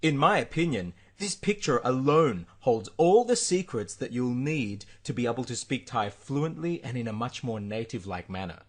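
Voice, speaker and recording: A man reading a scripted explanation aloud in a steady, explanatory manner. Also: mid-range voice, moderate pace, few pauses.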